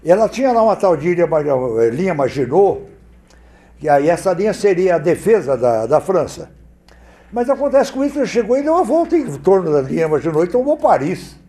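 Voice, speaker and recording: An expressive man from Brazil, a talk show guest, showing off kinds of speaking voice. His pitch sits a little high and swings widely, and a roomy studio echo hangs on his words. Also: brisk. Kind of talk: oratory demonstration on a TV talk show.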